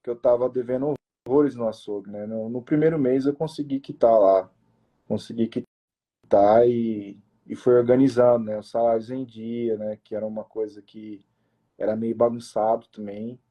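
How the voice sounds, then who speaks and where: A man's voice: medium pitch, steady tone, moderate pace, lo-fi sound. A young man who owns a family restaurant, telling his story in an interview in a casual, emotional way, with many restarts and quoted self-talk. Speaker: restaurant owner, interview guest.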